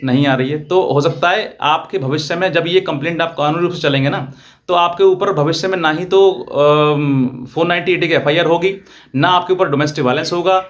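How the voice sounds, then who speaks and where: A man's voice: a little high, lo-fi sound. A man, giving earnest legal advice straight to viewers and repeating his points. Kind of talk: direct-to-viewer advice talk.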